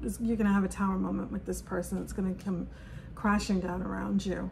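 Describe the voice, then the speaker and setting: A woman speaks over noticeable background noise. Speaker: tarot reader. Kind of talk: casual tarot reading monologue. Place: home room. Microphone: phone near.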